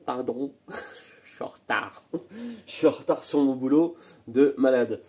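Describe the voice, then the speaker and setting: A man's voice: medium pitch, big pitch swings, unhurried, warm tone. A man with a slight cold, hosting a casual workshop vlog, talking in a rambling way full of hesitations and repeated words. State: still a bit congested from a cold. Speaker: moped engine tuner and channel host.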